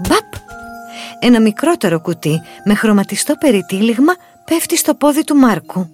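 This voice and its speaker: Woman storyteller, lively pitch, expressive reading, faint music behind. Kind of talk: children's story narration. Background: soft music.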